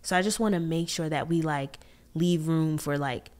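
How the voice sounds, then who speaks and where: A young adult woman co-hosting a podcast, talking through relationship lessons in an animated, reflective way. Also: low voice. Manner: animated, reflective, fast-talking when wired. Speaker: podcast co-host. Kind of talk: casual relationship chat.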